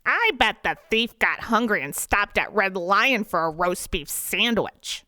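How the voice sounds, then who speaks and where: A man voicing a smug male pizza shop worker in a story, with a creaky, self-satisfied delivery. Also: sits high, lively intonation, very slow, sharp tone, dry recording, clean studio sound, pitched above the performer's own voice, heavily acted.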